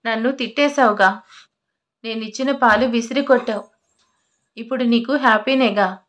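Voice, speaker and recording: A woman voicing a proud young wife in an audio love story, speaking softly, sulky and pleading. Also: on the high side, close to an everyday voice.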